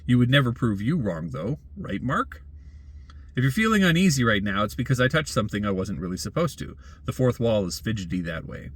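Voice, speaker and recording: Man, medium pitch, wry tone, scripted commentary, rhetorical phrasing. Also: big pitch swings, fairly quick. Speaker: blogger and commentator. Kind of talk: scripted opinion essay read aloud.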